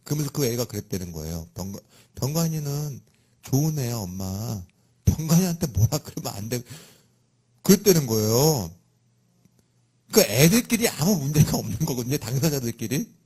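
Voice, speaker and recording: Husky-voiced man preaching a sermon. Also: medium pitch, normal speed. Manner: animated storytelling with sudden loud emphatic rises. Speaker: pastor. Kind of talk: sermon with personal story.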